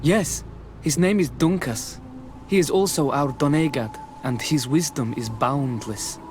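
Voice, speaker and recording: An actor playing a devout, earnest tribal villager in a video game, speaking formally and with heartfelt reverence. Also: male voice, mid-range voice, unhurried, a little mellow, a little hiss or hum, lightly acted. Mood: explanatory. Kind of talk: scripted video game acting.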